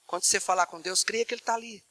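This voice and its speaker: A male pastor with a Brazilian Portuguese accent, preaching a sermon into a microphone in an animated way and acting out prayers in changing tones. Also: sits high, racing, dry recording. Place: church.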